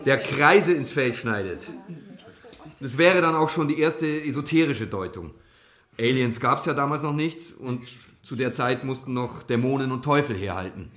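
Man playing opinionated eco-activist, radio drama lecturer, wry, explanatory, medium pitch, echoing room. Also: animated, normal speed, fairly bright tone, natural voice. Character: engaged male environmental activist lecturing youth campers.

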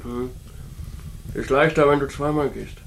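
An actor playing a feverish, weary father in a radio drama, speaking tersely in a low-key murmur. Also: fairly even intonation, unhurried, gravelly, noisy background. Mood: calm, instructing. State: sick with fever, weak. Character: feverish, weary father in a snowbound log cabin. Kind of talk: naturalistic radio drama acting.

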